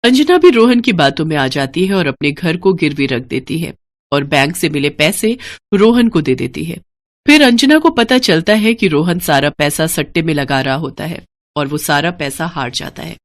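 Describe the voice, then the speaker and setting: A woman's voice: low-pitched, animated, moderate pace. A woman storyteller reading a scripted tale as narrator.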